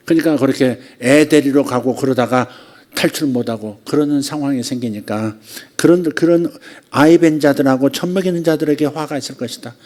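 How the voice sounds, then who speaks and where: This man's voice sits a little high and sounds somewhat mellow. He is a pastor delivering a conversational sermon, posing rhetorical questions and acting out quoted lines with long, drawn-out repetitions.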